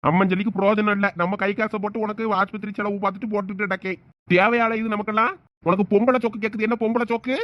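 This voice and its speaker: A man's voice: sits high, little pitch movement, fast, natural voice. A man voicing a blunt, scolding village boss with a Thoothukudi Tamil accent. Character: gruff older boss, scolding and stingy-minded. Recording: dull lo-fi audio.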